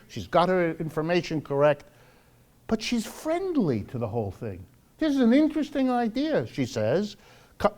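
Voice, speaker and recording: American guy lecturing to a live crowd, mid pitched voice, wry and punchy, slows right down for effect. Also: darkish tone. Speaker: lecturer hosting a monthly public talk. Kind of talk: extemporaneous political lecture to a live audience.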